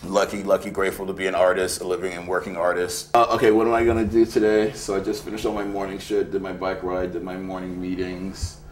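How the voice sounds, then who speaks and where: A man's voice: low voice, completely flat delivery, fast, hardly any pauses, a little hiss or hum. A man from New City, an artist talking casually and rambling, with lots of filler words. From New York City. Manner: laid-back, rambling, lots of "like". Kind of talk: casual conversational interview.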